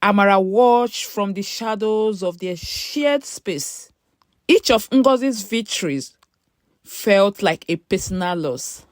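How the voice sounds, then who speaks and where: A woman narrating a scripted story in a measured, dramatic storytelling manner. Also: medium pitch, animated, no room sound, clean studio sound.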